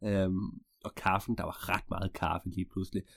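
A man telling an improvised story in a rambling, digressive way with deadpan asides. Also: deep voice, vocal fry, no room sound, studio quality.

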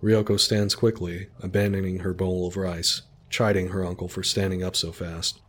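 A man narrating a story in a calm, descriptive way. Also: low-pitched, normal speed, slightly rough.

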